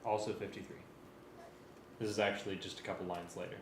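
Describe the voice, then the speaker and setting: A man's voice: deep voice, flat delivery, fast, noisy background. A man talking casually as he directs a music rehearsal, thinking aloud in a hesitant, working way. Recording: roomy sound with music playing.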